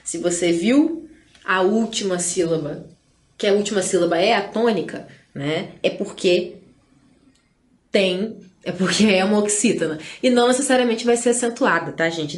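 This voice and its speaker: Chatty Brazilian woman teaching grammar. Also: mid-range voice. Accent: Brazilian Portuguese. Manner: chatty, frequent "né?" and "gente" asides; slows down to stress syllables. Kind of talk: online grammar lesson. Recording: roomy echo.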